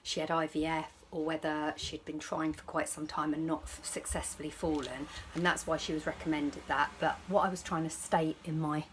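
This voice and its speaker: A woman with a notably low voice chats casually to her viewers, offering advice. She rambles and often corrects herself mid-sentence. There is some faint background noise in the recording. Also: little pitch movement, normal speed, few pauses, a bit bright, poor audio. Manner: chatty, rambling, self-correcting. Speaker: vlogger.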